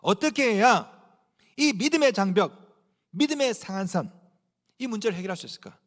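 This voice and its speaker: A male pastor delivers a sermon in a high voice that swings widely up and down. He preaches with humor and casual, everyday phrasing. The sound carries the long reverb of a church hall. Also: fairly quick. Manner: animated, humorous, colloquial preaching. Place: church sanctuary.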